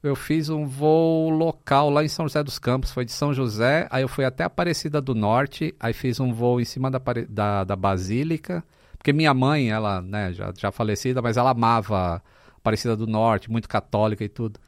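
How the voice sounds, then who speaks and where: A Brazilian man in his fifties, a podcast guest telling stories in a relaxed, casual way with many fillers. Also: mid-range voice, fairly quick, no room sound, studio quality. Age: 50s. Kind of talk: casual chat.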